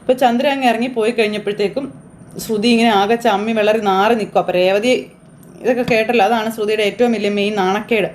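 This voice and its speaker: Woman retelling a serial, brisk. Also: mid-range voice, steady tone, a little hiss or hum. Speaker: storyteller retelling a TV serial episode. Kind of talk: casual episode retelling.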